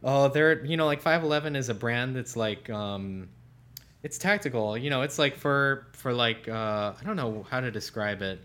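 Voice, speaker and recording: A man co-hosting a casual tech podcast as a smartphone editor, relaxed and trailing off quietly at the ends of phrases. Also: mid-range voice, moderate pace. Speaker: senior smartphone editor, co-host.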